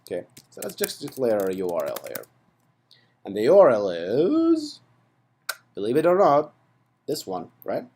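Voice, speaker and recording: A programming instructor teaches in a casual screen-recorded coding tutorial, chatty and playful, often checking in with the listener through asides like "right?" and "okay". His medium-pitched voice swings hugely in pitch and has a dark tone, and he speaks unhurriedly with frequent pauses.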